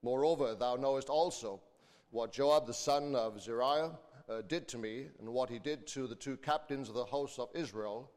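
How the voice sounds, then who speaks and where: This preacher and school teacher speaks to the congregation in a mid-range, darkish voice at a moderate pace. He keeps things informal and reads scripture aloud, his words echoing through a big reverberant hall or church.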